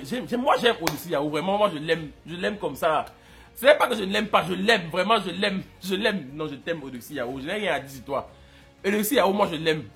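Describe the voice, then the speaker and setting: A man doing comic commentary as a YouTuber, excitable and mock-adoring, breaking into shouts. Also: high voice, gravelly.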